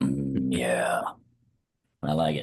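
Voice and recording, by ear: Over background music, a man puts on a gravelly, growling character voice pitched very deep and low.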